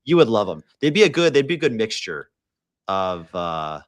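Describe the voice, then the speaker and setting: A man's voice: lowish voice, big pitch swings, normal speed, dry recording. A man hosting a casual livestream, talking in blunt, slangy bro speak with some swearing. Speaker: host of a livestream show.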